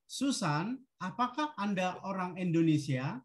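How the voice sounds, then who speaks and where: A woman teacher reads out short drill sentences at a very slow pace. Her delivery is deliberate and instructional, leaving each phrase ready to be repeated. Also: on the low side, expressive. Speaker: language teacher. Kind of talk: language drill, reading short sentences for repetition.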